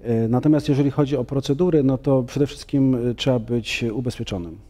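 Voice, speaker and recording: A man in his thirties, a priest giving a measured, explanatory studio interview with frequent fillers. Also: medium pitch, dark tone. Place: bright TV studio, seated on sofa.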